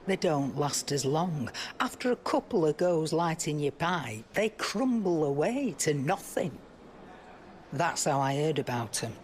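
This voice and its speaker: Casting: seasoned female black-market trader, British, wry, very animated delivery at a leisurely pace, game cutscene. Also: low voice, a little hiss or hum, heavily acted. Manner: wry, colloquial storytelling. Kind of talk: video game cutscene acting.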